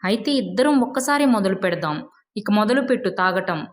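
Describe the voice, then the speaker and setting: A woman voicing a selfless young male elephant in a children's story, gently insistent and caring. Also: medium pitch, expressive, normal speed, close to an everyday voice. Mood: earnest.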